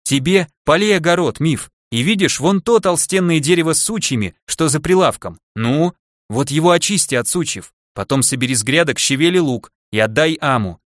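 A man voicing an exhausted, harried male dwarf shopkeeper who speaks hoarsely in an audiobook. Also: a little high, expressive, moderate pace, dry recording, studio quality, natural voice. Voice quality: hoarse, groaning.

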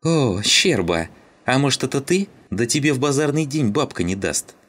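A man's voice: sits low, big pitch swings, moderate pace, pitched above the performer's own voice. A man reading an audiobook, voicing a brash, mocking young skinhead.

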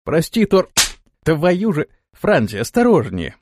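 A man's voice: on the high side, wildly swooping pitch, slow, pitched above the performer's own voice, full character voice. A man voicing a young male hero who speaks in urgent, hissed warnings. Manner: hissing, urgent. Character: young male hero, brave but uneasy.

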